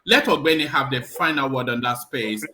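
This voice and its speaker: A man's voice: mid-range voice, moderate pace, a loud crowd. A man moderating an online debate, cutting in with repeated interjections to bring the speakers back to order. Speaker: host.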